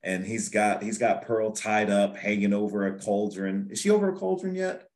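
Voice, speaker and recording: A man's voice: lowish voice, normal speed, a little mellow. A man hosting a podcast, recapping a cartoon episode in rambling casual chat with frequent restarts. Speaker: podcast host.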